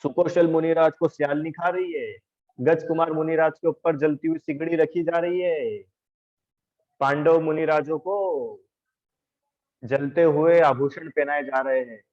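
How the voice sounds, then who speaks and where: A man's voice: fairly high pitch, a little mellow, dull audio. A man teaching an online religion class, patiently explaining and drilling students by repetition, calling on them by name. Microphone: video call.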